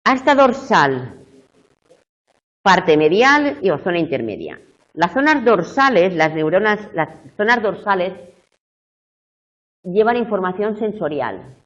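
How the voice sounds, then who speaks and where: A woman's voice: mid-range voice, sing-song, slow, pauses often. A middle-aged woman giving a university tutorial lecture, explaining step by step and often checking in with her students. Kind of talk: live video tutorial lecture. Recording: muffled lo-fi classroom recording.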